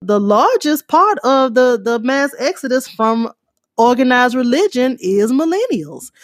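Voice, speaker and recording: A woman's voice: high voice, very animated, measured pace, no room sound, studio quality. A middle-aged woman co-hosting a casual panel talk show, making points with rhetorical questions. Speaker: podcast co-host.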